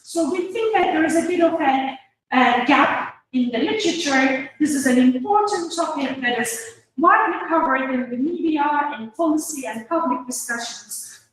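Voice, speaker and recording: A woman from Turkey giving an academic seminar presentation as a guest university lecturer. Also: high voice. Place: university seminar room, indoors. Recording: distant mic, very echoey room, faint noise.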